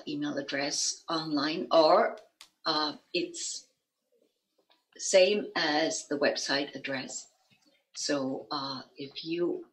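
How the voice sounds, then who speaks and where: Casual one: german-accented lady teaching on a video call, deep voice, spells stuff out slow. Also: sharp tone, poor audio. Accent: German with some American. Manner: slow, careful, spells things out. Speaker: energy-work teacher. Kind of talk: guiding an online session.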